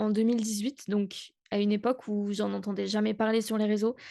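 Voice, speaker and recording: Against a quiet background, a woman with a plain, everyday voice talks at a fairly high pitch and a moderate pace. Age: 20s. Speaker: entrepreneur making handmade notebooks. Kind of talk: casual podcast chat.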